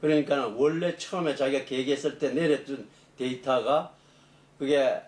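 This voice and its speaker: Halting male professor in an echoey room. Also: medium pitch, darkish tone. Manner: halting, explanatory, rephrasing as he goes. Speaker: engineering professor, interview guest. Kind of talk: unscripted technical explanation. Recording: echoey room, distant mic, faint noise.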